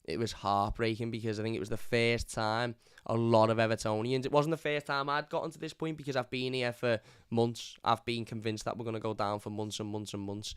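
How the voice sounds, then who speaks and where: A hoarse man, hosting a live fan review and ranting bluntly. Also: medium pitch, dry recording, clean studio sound. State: hoarse from lost voice. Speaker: fan channel host. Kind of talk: live stream match review.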